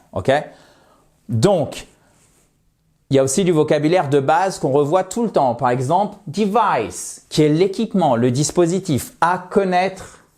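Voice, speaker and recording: A French man gives a casual English vocabulary lesson, his voice pitched somewhat high. He keeps a chatty flow and tosses out rhetorical questions. When he models a word, he slows right down and repeats it again and again. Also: darkish tone. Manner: slows down to model words, drills pronunciation. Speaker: English teacher.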